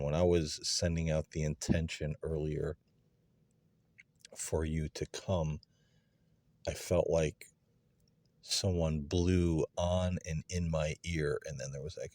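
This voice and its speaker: A man with a low-pitched voice runs a paranormal communication session. He speaks off the cuff, politely putting questions to unseen listeners. His delivery is earnest and a little hesitant, with pauses between phrases. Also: flat delivery, a little mellow. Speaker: paranormal investigator hosting a spirit communication session. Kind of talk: unscripted spoken questions to unseen beings.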